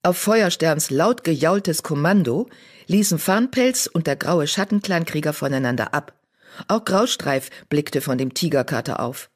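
This is an audiobook narrator telling an animal story. The reading is even and controlled, scripted narration at a middle pitch. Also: a little slow.

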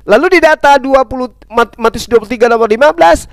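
A man's voice: extremely high pitch, fast talker, gravelly, no room sound. A man preaching in an emphatic debate style, citing scripture and firing repetitive rhetorical questions that he answers himself. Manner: forceful, insistent delivery. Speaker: Islamic preacher in interfaith debate.

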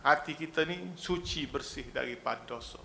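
A man with a Kelantanese accent giving a religious lecture, animated and mixing humour with exhortation. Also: a little high, moderate pace, vocal fry, slight background noise. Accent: Kelantanese Malay. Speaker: religious preacher.

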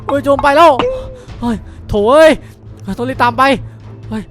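Man voicing a bumbling young cop, shouty and excitable, music in the background. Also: very high-pitched, normal speed. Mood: frantic. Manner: shouty, frantic, then meekly apologetic. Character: clumsy excitable young male policeman. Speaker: channel host. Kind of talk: Minecraft cartoon dubbing.

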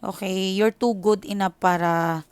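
A woman's voice: mid-range voice, steady tone, a little slow, a little hiss or hum. Chatty Filipina woman reading tarot. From Philippines. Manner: chatty, switches into English, frequent "okay?". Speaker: tarot reader. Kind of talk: casual tarot reading chat.

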